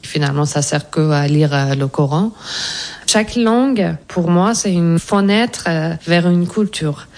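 A woman's voice: on the low side, measured pace, darkish tone. A woman from Iran, speaking French as a guest in a radio interview and answering thoughtfully, searching for her words. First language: Persian. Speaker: actress guest.

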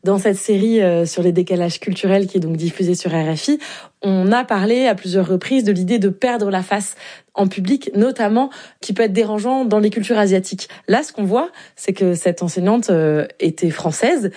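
A woman radio host presenting a culture segment and introducing her guests in a measured way. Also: mid-range voice, mellow. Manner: clear, measured presenter delivery.

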